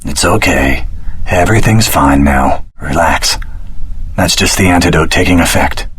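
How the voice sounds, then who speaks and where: A man playing an earnest, determined swordsman hero in a video game, speaking in a measured, serious way with a husky voice. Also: very deep voice, fairly bright tone, exaggerated voice. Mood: polite, composed. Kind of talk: video game voice acting, cutscene dialogue.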